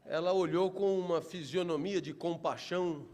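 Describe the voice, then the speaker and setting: A man's voice: high-pitched, fairly even intonation, normal speed, darkish tone. A middle-aged man giving a motivational philosophy lecture, asking rhetorical questions and building to emphatic delivery.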